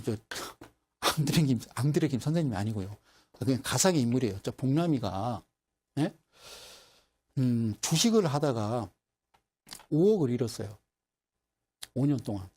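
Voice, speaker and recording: A middle-aged man giving a broadcast stock lecture, telling stories in an animated, repetitive way and addressing viewers directly. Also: mid-range voice, slightly rough.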